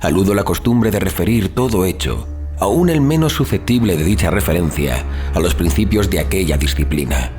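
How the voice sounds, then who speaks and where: Man playing a grave learned traveler, very low pitch, solemn formal storytelling, measured delivery, audio fiction, music underneath. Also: darkish tone. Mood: grave, confessional. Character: male young educated traveler, rational, grave, haunted storyteller. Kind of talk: dramatised first-person literary narration in audio fiction. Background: background music.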